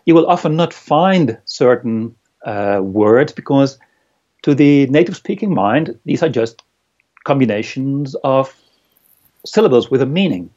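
A thoughtful man speaking as an in a conversational interview. His voice is mid-pitched and he pauses to search for words. The recording is slightly dull and lo-fi. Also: animated, a little mellow. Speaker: interviewee, language learner.

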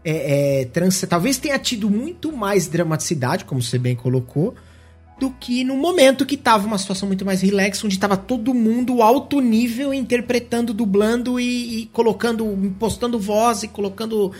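A man with a Brazilian accent, co-hosting a podcast in an animated, joking, self-deprecating way. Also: sits high, normal speed, slightly rough, soft background music. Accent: Brazilian Portuguese. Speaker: podcast co-host. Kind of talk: casual chat about tabletop games.

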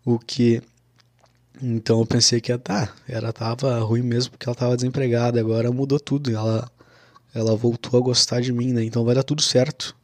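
A young man recounts a personal story in a casual, confessional monologue. His voice sits at a middle pitch and stays flat and even, and he keeps dropping in "cara" and "né". The sound is dry and close, with no room around it. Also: a little fast, no room sound.

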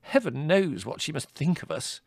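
A man voicing a flustered, anxious middle-aged English mother in a storybook reading, plaintive, gently scolding and placating. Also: on the high side, very animated, moderate pace, husky, no echo, clean studio sound, voice pushed up, heavily acted. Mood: shaken, reproachful.

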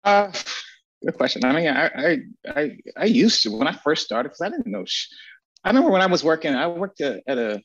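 A man being interviewed as an agency strategist, telling stories in a blunt, animated way with lots of swearing and repeated words. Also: on the high side, brisk, muffled recording. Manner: animated storytelling, frequent profanity and repetitions. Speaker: guest, agency founder and strategist. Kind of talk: casual podcast interview.

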